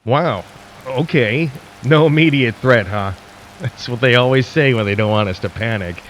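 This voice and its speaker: A man plays a skeptical late-night radio host in a radio drama, mid-pitched and wry. He speaks to his listeners like a conspirator, uneasy and pausing for effect. A faint rain-like hiss sits behind him. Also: a bit bright, close to an everyday voice, poor audio. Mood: wary, suspicious. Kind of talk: radio drama broadcast monologue.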